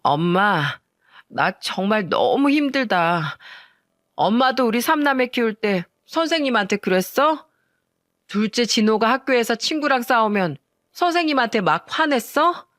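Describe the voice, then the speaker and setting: A woman's voice: mid-range voice, lively intonation, normal speed, fairly bright tone, no room sound, natural voice. A narrator voicing a weary young female teacher who complains to her mother about her students and their parents, heard dry and close. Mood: drunk, aggrieved. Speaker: elementary school teacher.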